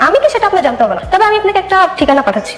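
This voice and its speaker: A woman playing a sly scheming rival, high and lively. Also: racing, faint music behind. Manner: sly, taunting. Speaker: ex-girlfriend. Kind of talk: melodramatic drama acting. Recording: echoey room with long reverb.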